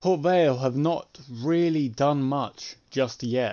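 Someone speaks very slowly, with ordinary pitch variation, over a quiet background. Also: man. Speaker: gaming youtuber. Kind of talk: casual gaming commentary. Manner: chatty, casual. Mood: calm, analytical. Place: home room.

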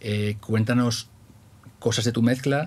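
This man talks at a fairly quick pace. His voice is somewhat breathy. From Spain. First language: Spanish. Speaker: recording studio owner, interviewer; interviewer. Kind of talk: interview. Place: studio. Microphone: studio mic.

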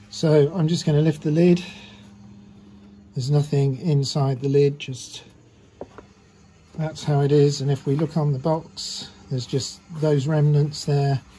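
A man with a fairly high pitch talks at a fairly slow pace, in a monotone with flat intonation. Long, frequent pauses and noticeable background noise run through the clip. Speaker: model railway hobbyist youtuber. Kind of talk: tutorial. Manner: casual.

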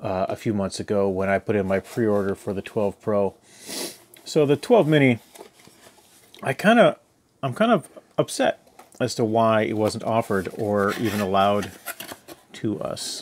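A man speaks at a moderate pace with a fairly low pitch. His pitch varies in an ordinary way, and he takes long, frequent pauses. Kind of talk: casual unboxing chat. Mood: wry, mildly regretful.

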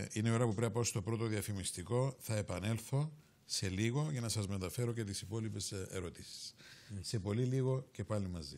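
In an unremarkable speaking voice, a man with a fairly low pitch talks at a fairly quick pace with ordinary pitch variation. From Cyprus. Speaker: TV talk show host. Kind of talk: TV talk show with phone-ins. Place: studio. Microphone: lapel.

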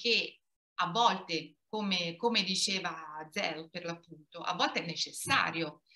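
A woman's bright, sharp tone with lively intonation at a fairly slow pace, against a quiet background. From Italy. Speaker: Italian language teacher. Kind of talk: lecture. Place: home room. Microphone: webcam.

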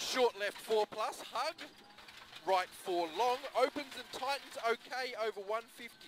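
Loud and extremely high-pitched, a man with an Australian accent speaks at a very slow pace with ordinary pitch variation, in a dry sound with no echo and noticeable background noise. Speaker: rally co-driver. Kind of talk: pace note calls. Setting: in a rally car at speed. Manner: clipped, terse, machine-gun delivery of turn codes; urgent and loud, repeating calls for emphasis. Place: car. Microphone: headset.

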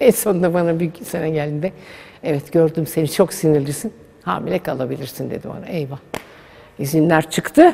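The loudness here swings widely, with ordinary pitch variation. The pace is fairly quick. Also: woman, very deep, low pitch for a woman. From Turkey. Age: 70s. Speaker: retired ballerina and ballet teacher. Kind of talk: interview answer recalling her career. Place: hall.

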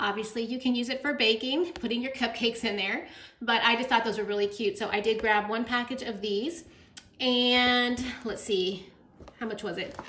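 A clear echo fills the room around the speech. The pace stays medium and the pitch varies in an ordinary way. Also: woman. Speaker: crafting channel host. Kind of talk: casual haul vlog chat. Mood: cheerful, enthusiastic. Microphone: phone near.

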